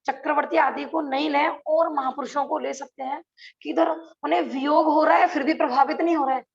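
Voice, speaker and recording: A high-pitched woman with a gravelly texture leads an online scripture lesson. She speaks earnestly and keeps asking her class rhetorical questions. The sound is dull and lo-fi, as on a video call. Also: fairly even intonation, fairly quick, a crowd in the background. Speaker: religious teacher.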